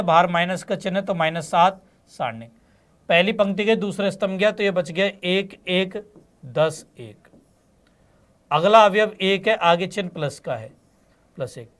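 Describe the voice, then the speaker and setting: A man's voice: high-pitched, a bit bright. A man teaching maths to students, explaining each step patiently and often checking that they follow. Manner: addresses students as beta and bachche, frequent check-ins. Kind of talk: classroom lesson explaining solutions step by step.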